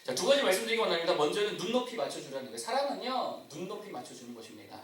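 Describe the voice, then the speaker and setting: A pastor delivers an animated sermon in a church sanctuary, his high voice racing as he asks the congregation questions. It's captured with a distant mic in an echoey church hall.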